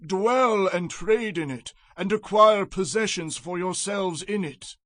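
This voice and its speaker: Measured tribal elder, higher-voiced. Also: male voice, a bit bright, no echo, clean studio sound. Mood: courteous, persuasive. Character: Hamor, measured tribal elder negotiating for his family. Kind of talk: dramatized scripture reading.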